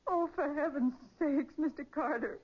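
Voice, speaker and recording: An actress playing a bereaved sister, hesitant and plaintive, in the style of 1940s radio crime drama. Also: female voice, high-pitched, normal speed, close to an everyday voice. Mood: distressed. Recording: dull, muffled 1940s radio recording.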